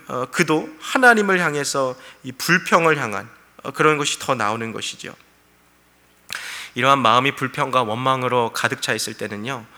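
A man's voice: mid-range voice, pushed and bright. A man pastor preaching a sermon, earnestly explaining scripture verse by verse. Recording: reverberant hall.

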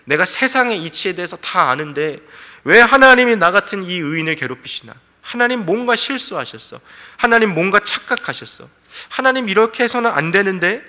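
A man's voice: fairly high pitch, a little fast, hardly any pauses, bright, forceful tone, in a large hall. A man acting out an indignant, self-righteous old man protesting to God within a sermon. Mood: aggrieved. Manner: aggrieved, protesting.

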